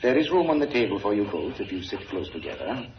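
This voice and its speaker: An actor playing Kramer, a cold, sinister villain who gloats with smooth menace, in an old radio drama recording. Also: male voice, fairly low pitch, sing-song, fast, echoey room, lo-fi sound, a little hiss or hum. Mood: gloating.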